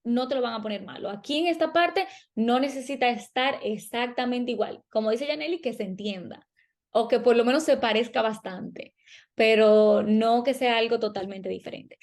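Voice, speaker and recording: A woman co-hosting a podcast, explaining exam strategy and speaking directly to listeners with worked examples. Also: on the high side. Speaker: podcast co-host.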